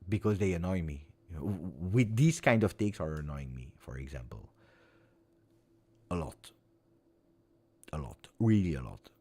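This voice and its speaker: A man's voice: deep voice, expressive, moderate pace, long pauses, warm tone, breathy edge. A man in his forties speaking English as a non-native language, hosting a casual live chat with viewers, rambling and repeating himself in an earnest way. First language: not English. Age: 40s. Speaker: fan channel host.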